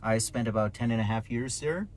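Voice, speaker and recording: A man's voice: mid-range voice, a little fast. Man from Pakistan over background noise. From Pakistan, grew up in Karachi, later the UK. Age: 40s. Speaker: taxi driver being interviewed. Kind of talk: conversational explaining.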